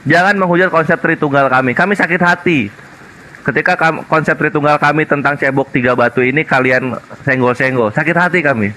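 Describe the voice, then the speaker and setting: A man's voice: on the high side, a little fast, sharp tone, poor audio. A man debating casually online, mocking and sarcastic in tone.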